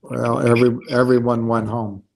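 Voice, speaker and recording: A man's voice: mid-range voice, level tone, normal speed, gravelly, darkish tone. A man hosting a live stock market stream and chatting casually with a guest. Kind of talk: casual chat.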